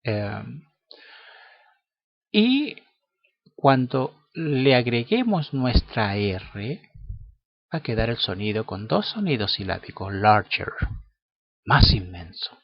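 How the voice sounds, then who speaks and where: Male teacher, patient explainer, slow delivery, dry muffled recording. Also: medium pitch, big pitch swings, vocal fry, no room sound. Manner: slow, patient, checks in with "¿cierto?" and "¿ya?". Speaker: English teacher. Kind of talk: lesson explanation.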